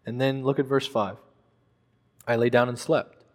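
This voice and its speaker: Earnest preacher in a reverberant room. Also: male voice, medium pitch, fairly even intonation, moderate pace. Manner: earnest, emphatic preaching with repetition. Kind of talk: sermon.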